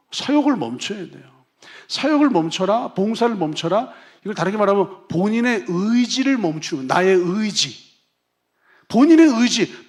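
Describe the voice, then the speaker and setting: A middle-aged male pastor preaching a sermon, swinging between soft asides and loud, emphatic declarations. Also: sits high.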